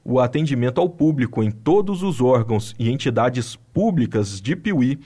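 A man with a Brazilian Portuguese accent reading a scripted news voice-over in an even, measured way. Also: mid-range voice. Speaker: news narrator.

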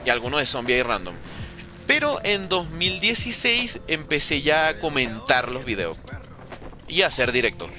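Venezuelan man, lively streamer chat. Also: a little high, normal speed, music in the background. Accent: Venezuelan Spanish. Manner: casual, chatty, hums and sings little sounds while playing. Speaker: gaming streamer. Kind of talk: live gameplay commentary reading chat.

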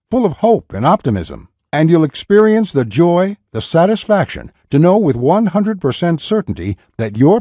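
A man reading a scripted, pushy sales pitch as a voice-over. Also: dark tone, husky, no room sound, clean studio sound. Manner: pushy, urgent salesman delivery.

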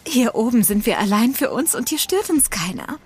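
Horror radio play: young woman, fragile and dramatic, high pitch, very animated. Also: normal speed, breathy edge. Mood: tender. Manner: emotional, dramatic delivery. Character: frightened, tender young woman Mary, grieving her mother. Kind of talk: German horror audio drama acting.

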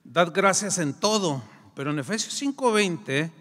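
A man preaching with a Mexican accent, his voice pitched high for a man. He tells his story with animated, acted-out dialogue, and a long reverb from a large church hall trails each phrase. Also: unhurried. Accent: Mexican Spanish. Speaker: pastor. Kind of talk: sermon with storytelling. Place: church sanctuary.

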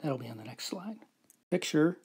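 Husky man explaining a math proof. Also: fairly high pitch, expressive, moderate pace, darkish tone. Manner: explains step by step, often adds "right?" and "so". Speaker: lecturer. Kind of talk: recorded whiteboard math lecture.

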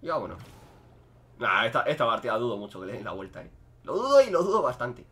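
A young man giving casual, joking commentary over his own gameplay, swinging between loud outbursts and low muttering. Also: very animated, fast talker. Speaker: gaming streamer.

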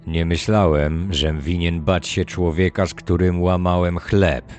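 A man's voice: deep voice, fairly even intonation, unhurried, a little mellow, soft background music. A man playing a grim, stern English Puritan adventurer with restrained fury, in an audiobook drama. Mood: grim, contained.

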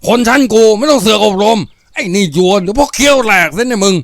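A brutal, hot-tempered foreman snarls crude threats, voiced by a male reader. The voice is pushed up high and swings widely, loud and coarse, in a dry close recording. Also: expressive, fast, dry recording. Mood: furious.

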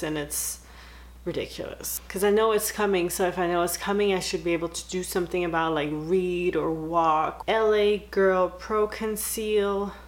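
Chatty young woman vlogging. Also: on the low side. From Netherlands. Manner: chatty, lots of likes and ums. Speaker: beauty vlogger. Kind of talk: casual tag video chat.

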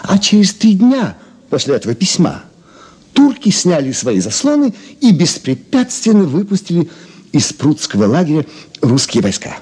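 An actor playing an erudite jewellery expert in a radio drama, lecturing in a pedantic, expressive manner. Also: male voice, fairly high pitch, normal speed, husky, exaggerated voice. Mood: lecturing, reverent. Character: Pyotr Petrovich, erudite male jewellery expert, lecturing with relish. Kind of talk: Soviet-era radio drama monologue.

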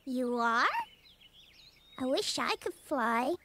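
Very high, eager little cartoon duck. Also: female voice, takes it slowly, noisy background. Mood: wistful. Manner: playful, wide-eyed, breaking into animal noises. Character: naive, eager young duck raised by chickens. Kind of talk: children's cartoon acting. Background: music.

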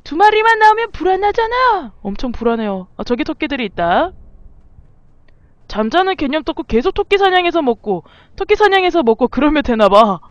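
A woman plays a video game and casually chats with the animals on screen in a relaxed let's-play stream. Her voice is high with big swings in pitch, and she talks a little fast. The recording is dry and sounds dull.

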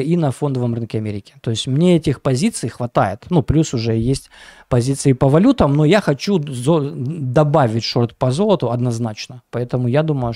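Man with a mellow voice giving market commentary. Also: medium pitch, no room sound, studio quality. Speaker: market analyst host of a weekly financial forecast.

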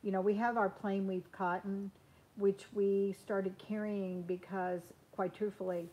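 A woman in her sixties chats casually on a live stream while hand sewing at a table in a small sewing room, often saying um and restarting. Her mid-range voice has little pitch movement and is a little slow. The audio is dull.

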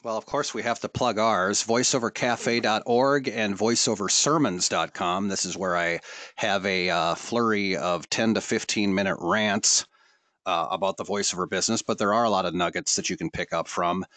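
Middle-aged male host, mid-pitched, joking and chatty, dry close sound. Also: fairly even intonation, normal speed, fairly bright tone, no room sound. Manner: jokey, chatty, laughs often. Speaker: host and voiceover coach. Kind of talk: casual webinar chat.

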